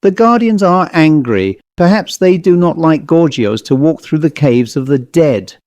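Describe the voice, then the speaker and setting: A man's voice: fairly high pitch, lively intonation, unhurried, darkish tone, dry recording, voice pushed up. A man voicing a grave young tribal guide. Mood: urgent warning. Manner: grave, warning. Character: solemn young tribal guide, grandson of chief. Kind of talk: dramatised storybook reading.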